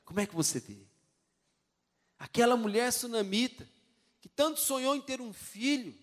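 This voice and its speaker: A man's voice: high voice, a bit bright. A male pastor preaching a sermon, emphatic and full of rhetorical questions to the congregation, recorded in a church. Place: church sanctuary. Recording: long church reverb.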